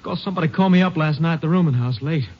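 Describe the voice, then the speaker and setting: Suspect role: defensive, agitated ex-con male actor, rapid husky delivery, muffled 1950s radio sound. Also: a little high, natural voice. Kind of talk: 1950s radio western acting. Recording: dull vintage radio recording.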